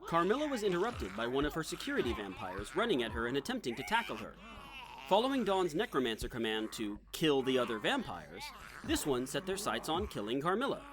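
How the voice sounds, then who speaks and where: A man's voice: medium pitch, huge pitch swings, a little fast, a crowd in the background. A man reading scripted comic narration as the narrator of an audio drama.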